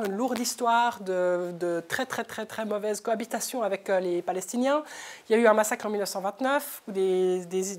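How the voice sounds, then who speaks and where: A woman in her thirties with a Swiss French accent, giving a talk and telling anecdotes in a lively way, often laughing. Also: mid-range voice. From Switzerland. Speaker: journalist speaker. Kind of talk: lecture storytelling. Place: lecture hall, live audience.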